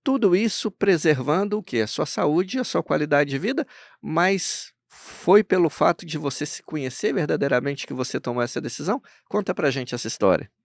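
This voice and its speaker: A man's voice: fairly high pitch, animated, moderate pace, gravelly, dry recording, clean studio sound. A Brazilian man hosting a podcast interview as a therapist, explaining things at length and often checking in with tag questions. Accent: Brazilian Portuguese. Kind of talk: conversational interview.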